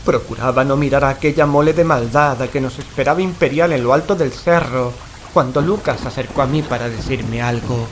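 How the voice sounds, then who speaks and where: Fairly quick and close to an everyday voice, this mid-range male performer plays a fearful paranormal investigator. His anxious, ornate delivery carries tense dread through dramatic first-person horror narration and radio-play dialogue. Dramatic music, rain and thunder play behind him, along with slight background noise.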